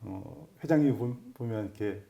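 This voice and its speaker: A man's voice: on the low side, moderate pace, gravelly, mellow, highs cut off. A middle-aged man, a master carpenter, explaining in an interview with many filler words.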